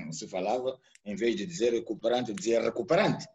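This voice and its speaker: A Mozambican man with a Mozambican Portuguese accent, a poet and sociologist giving a reflective talk over a live video call, pausing to search for words. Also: lowish voice, a little mellow, muffled recording. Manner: searching, repeats words while thinking. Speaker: guest speaker, poet and sociologist. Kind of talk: reflective lecture-style talk. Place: home, live online talk. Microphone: computer or phone mic on a video call.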